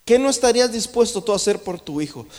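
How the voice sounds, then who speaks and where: High-voiced fervent preacher in echoing church. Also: male voice, animated, fast talker, a little mellow. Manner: fervent preaching, often addresses the congregation as brothers. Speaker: pastor. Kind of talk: sermon. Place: church sanctuary. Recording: long church hall reverb.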